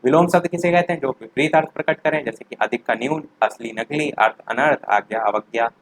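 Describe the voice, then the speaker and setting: A man's voice: medium pitch, brisk, slight background noise, low-quality recording. A young man teaching a revision lesson for a teaching exam, explaining each answer plainly, talking straight to the students and repeating the key points.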